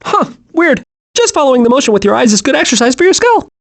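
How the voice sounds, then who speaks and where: A hyperactive young male cartoon squirrel for a video game. His voice sits very high and swings wildly up and down. He is childlike, naive and scatterbrained, always eager and cheerful. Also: very animated, quick pace, exaggerated voice. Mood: earnest, scatterbrained. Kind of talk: animated video game voice acting.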